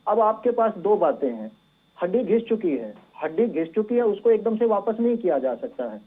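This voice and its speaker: A man's voice: sits high, big pitch swings, moderate pace, slightly rough. A man speaking as an expert doctor on a call-in show, patiently explaining medical advice and mixing in English medical terms. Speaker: doctor, physiotherapy expert guest. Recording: thin phone-like band-limited line.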